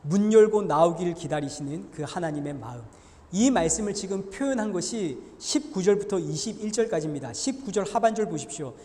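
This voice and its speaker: High-voiced male pastor preaching in echoing hall. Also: a little fast. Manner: animated, acts out quoted voices with rising force. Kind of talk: sermon. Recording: echoey church hall reverb.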